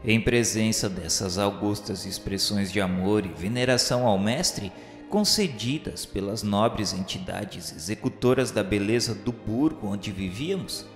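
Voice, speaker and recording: A man gives a solemn, formal narration of a literary radio drama, with measured, reverent delivery. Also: lowish voice, lively intonation. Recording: echoey long reverb over music. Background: music.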